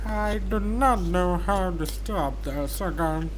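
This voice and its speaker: A woman's voice: fairly low pitch, slow, a little hiss or hum, rough recording. A woman giving casual, off-the-cuff commentary on a game playthrough, joking and interrupting herself.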